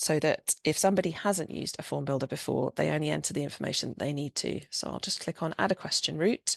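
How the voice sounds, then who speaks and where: A woman speaks with a British accent. The background is quiet and the sound is dry and close with no echo. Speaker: civil servant presenting a product demo. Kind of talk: webinar tutorial demo. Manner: halting with many fillers.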